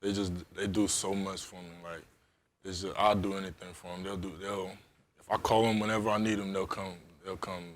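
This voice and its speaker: A young man answering interview questions on a sports show, his voice sitting low and easy. He stays polite and laid-back, with plenty of "like" in his answers. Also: fairly quick, slight background noise. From Japan. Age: young adult. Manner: relaxed, polite, lots of "like" fillers. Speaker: college football player, guest.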